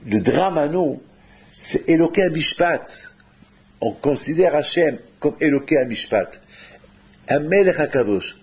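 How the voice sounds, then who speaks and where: Animated preacher man, dull lo-fi recording. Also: measured pace, slightly rough. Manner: animated, rising to high exclamations then dropping low. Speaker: rabbi. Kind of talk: sermon.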